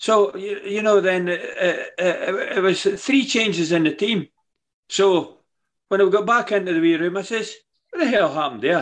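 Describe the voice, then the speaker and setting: A man's high voice with a Scottish accent, moderate in pace, with long, frequent pauses. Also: ordinary pitch variation. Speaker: former assistant football coach. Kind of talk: casual chat.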